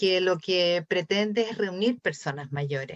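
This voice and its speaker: A woman with an ordinary speaking voice talks at a fairly slow pace. Her pitch sits fairly low and shows ordinary pitch variation. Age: 60s. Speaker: physician and screenwriter. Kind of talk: panel discussion.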